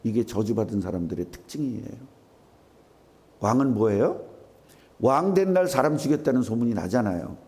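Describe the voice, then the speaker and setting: A male pastor preaching a sermon, asking his congregation rhetorical questions in an animated way. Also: medium pitch, normal speed, pauses often. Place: church sanctuary.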